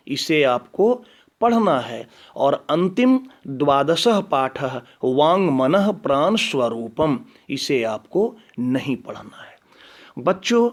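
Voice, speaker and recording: A male Sanskrit teacher going through a school syllabus for his students, patiently repeating what they must and must not study. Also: a little high. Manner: slow, patient, repeats each item.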